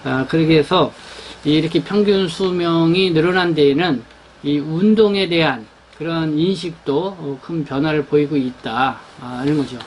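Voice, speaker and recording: A man presenting his newspaper's pages in an unscripted rundown, talking haltingly with many fillers and restarts. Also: a little high, rough recording. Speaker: newspaper editor presenting the issue.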